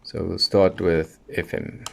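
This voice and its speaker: Low-pitched man casually demonstrating a gadget. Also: little pitch movement, vocal fry, noisy background. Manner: unhurried, thinking aloud while handling the radio. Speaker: radio hobbyist reviewer. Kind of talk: casual unscripted product demonstration.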